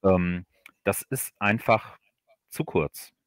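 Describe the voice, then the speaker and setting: Halting, low-voiced man explaining. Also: no room sound. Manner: halting, explanatory, repeats words and phrases. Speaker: guest audio drama writer. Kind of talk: casual interview chat on a livestream.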